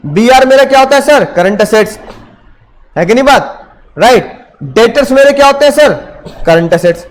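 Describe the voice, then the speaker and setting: High-voiced animated male teacher. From India. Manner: animated, fires rhetorical questions at students. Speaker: commerce teacher. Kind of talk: classroom lecture.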